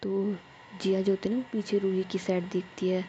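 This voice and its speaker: A woman casually narrating a love story, softly and half-whispered, with chatty filler tags. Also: mid-range voice, level tone, quick pace, dull audio, slight background noise.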